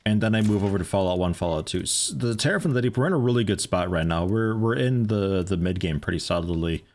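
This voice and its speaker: A man's voice: deep voice, animated, quick pace, a little mellow. A man in his thirties giving rambling, casual commentary while livestreaming a game, swearing now and then. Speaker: gaming livestreamer.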